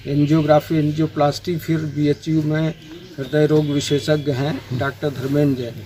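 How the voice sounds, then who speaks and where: A middle-aged man, a government officer explaining himself haltingly and repetitively in an interview. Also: a little high, flat delivery, mellow. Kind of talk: spontaneous interview answers. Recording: noisy location recording with birdsong.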